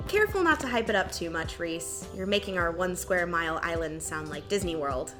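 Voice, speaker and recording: Audio drama assistant, actress as young woman, dry casual teasing, lowish register, music underneath. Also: lively intonation, fairly quick, natural voice. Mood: friendly, teasing.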